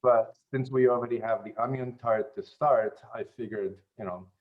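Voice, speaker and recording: A man who grew up in German-speaking Europe, chatting as an interview guest in an unhurried way, with many fillers and restarts. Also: mid-range voice, steady tone, phone-quality sound. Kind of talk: casual interview chat.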